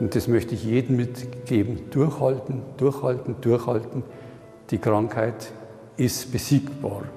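Over faint music in the background, a man talks at a very slow pace with fairly even intonation. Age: 70s. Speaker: artist, painter. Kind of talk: interview answer. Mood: earnest, reflective, hopeful. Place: hall. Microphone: lapel.

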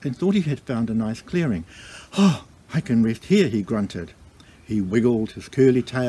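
With lively intonation, the clip is plain reading aloud.

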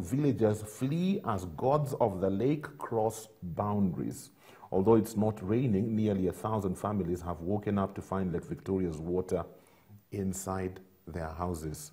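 The voice has a dark, mellow tone, somewhat breathy, with lively intonation. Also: man, quiet background. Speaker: TV show host. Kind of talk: newspaper review, broadcast presenting. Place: studio. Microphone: lapel.

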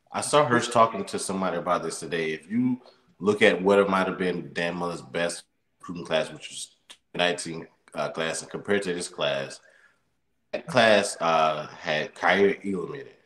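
Very deep and low in pitch, a man talks at a moderate pace with ordinary pitch variation and big swings in loudness. Audible room echo surrounds him over a quiet background. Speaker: sports podcast co-host. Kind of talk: casual chat. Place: home room. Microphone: video call.

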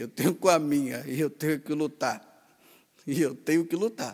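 An unremarkable speaking voice from a man, fairly high in pitch, at a moderate pace against a quiet background. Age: 50s. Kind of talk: homily. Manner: conversational, informal. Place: church. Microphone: podium.

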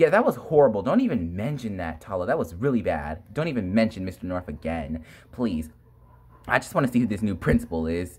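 Somewhat breathy, the voice moves at a fairly quick pace with very wide pitch swings. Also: man, fairly low pitch for a man. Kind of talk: character role-play dialogue. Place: home room. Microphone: phone near.

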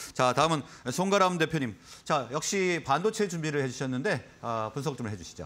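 A man speaks at a fairly high pitch and a moderate pace. His intonation is lively. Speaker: TV stock show anchor. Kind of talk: broadcast moderation. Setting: studio. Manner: formal. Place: studio. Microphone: lapel.

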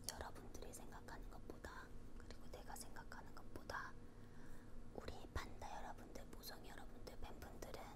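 Whispering, a woman speaks at a moderate pace. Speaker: K-pop idol, member of a girl group; idol vlogger. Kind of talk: ASMR whispered talk to camera. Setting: backstage after a concert. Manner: whispering, soft-spoken, intimate. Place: home room. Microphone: phone near.

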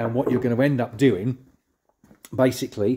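A man talks with a dark, mellow tone. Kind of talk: tutorial. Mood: casual, humorous. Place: garage. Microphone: phone near.

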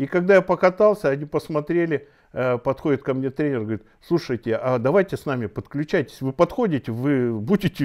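A man with lively intonation at a fairly quick pace, against a quiet background. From Siberia (Novosibirsk). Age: 60s. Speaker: numerologist; interviewee, numerology teacher. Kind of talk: interview; interview answer. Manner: conversational, hesitant with fillers. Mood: warm, nostalgic. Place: home room.

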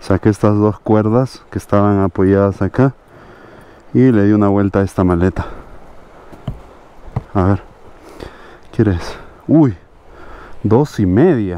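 In a dry recording with no echo, a man speaks fairly slowly at a fairly low pitch, with ordinary pitch variation and long, frequent pauses. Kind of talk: casual vlog chat. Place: open country. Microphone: helmet.

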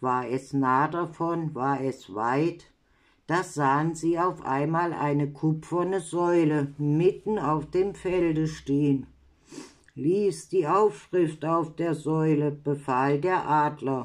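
At a very slow pace, a woman with a very deep, low pitch speaks in fairly even intonation over a quiet background. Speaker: fairy tale reader. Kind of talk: read story.

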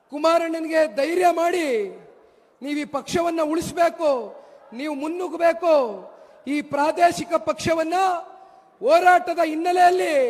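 There is noticeable background noise. A man speaks at an extremely high pitch with flat, monotone intonation. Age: young. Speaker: political party speaker. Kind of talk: political rally speech. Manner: formal oratory.

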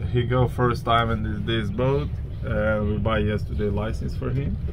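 This man talks with noticeable background noise in the recording. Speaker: fishing vlogger. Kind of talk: casual vlog chat. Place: boat. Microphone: phone near.

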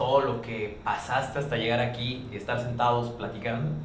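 There is audible room echo and light background noise as a man talks. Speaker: radio host, interviewer. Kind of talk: interview question. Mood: calm, reflective question. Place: studio.

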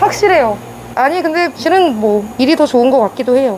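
A woman's moderately paced speech with very wide pitch swings, over noticeable background noise. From Korean island of Gyodong, Incheon; South Korea. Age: 30s. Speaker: restaurant owner. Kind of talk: casual interview. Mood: playful, joking. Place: kitchen.

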